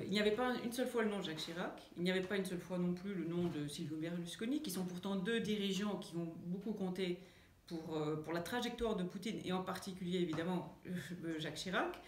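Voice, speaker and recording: A woman's voice: lowish voice, expressive, brisk, slight background noise. A French woman, an author, answering interview questions with many fillers and restarts. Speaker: author and guest. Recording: echoey room.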